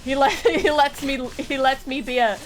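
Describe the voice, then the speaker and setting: A woman's voice: high-pitched, normal speed. A woman chatting casually on a gaming livestream, playful and often repeating her phrases. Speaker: game streamer.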